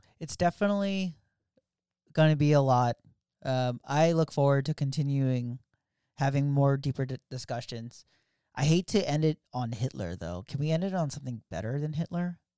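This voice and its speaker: In a very clean recording with a silent background and a dry, close sound with no echo, a man with an American accent speaks in a fairly high pitch with a dark, mellow tone and lively intonation. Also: moderate pace. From US, South Philadelphia. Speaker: podcast co-host. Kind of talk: casual chat.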